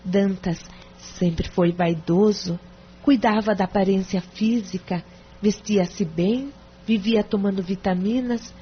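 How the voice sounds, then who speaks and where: A woman's voice: mid-range voice, lightly acted. Woman doing a hesitant well-off wife, reserved tone, dull sound, faint hum. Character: wealthy married woman, hesitant and ashamed.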